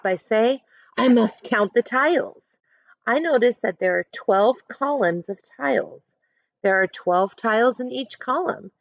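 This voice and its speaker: Animated, high-voiced woman reading to children. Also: no echo, dull audio. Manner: expressive, instructive, addresses young listeners directly. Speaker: teacher reading a picture book aloud to pupils. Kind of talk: children's read-aloud with teaching asides.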